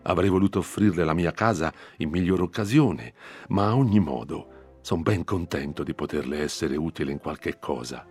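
A man voicing a powerful, reformed nobleman who speaks with formal, measured courtesy. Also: sits low, darkish tone, husky, faint music behind. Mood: courteous.

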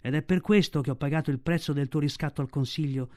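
A man's voice: a little high, quick pace, warm tone, natural voice. Man voicing Bagheera, tender panther. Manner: tender, grave storytelling tone. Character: black female panther, protective and proud.

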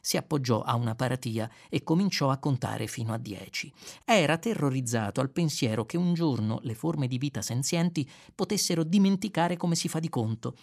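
A man narrating a novel as an audiobook, in expressive storytelling with varied pace. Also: medium pitch, moderate pace, creaky. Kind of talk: scripted narration.

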